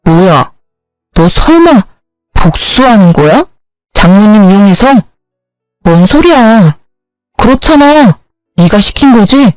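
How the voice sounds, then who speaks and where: A young husband in a story drama, voiced by a woman, speaking in a lowered voice. The recording is dry and close, with faint music. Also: big pitch swings, slow, pauses often, darkish tone, no room sound, low-quality recording. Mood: accusing. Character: young husband, defensive then tearful.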